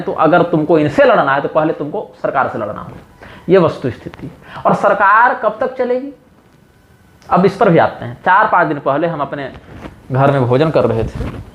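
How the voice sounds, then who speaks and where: An emphatic man delivers a fervent discourse as a religious teacher, driving each point home with rhetorical questions. His voice sits a little high. The sound is roomy and somewhat muffled, like a lo-fi room recording. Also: fairly bright tone. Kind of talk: impassioned monologue.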